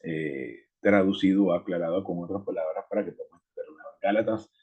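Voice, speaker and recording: A man with a deep, slightly husky voice teaches a Bible study, reading scripture aloud and explaining it with emphasis. The recording is dull and lo-fi. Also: quick pace.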